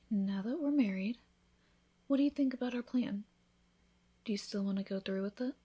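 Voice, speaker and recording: A woman voicing an affectionate, teasing newlywed vampire in an intimate, soft-spoken ASMR roleplay, with tender, breathy delivery. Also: medium pitch. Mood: playful, excited.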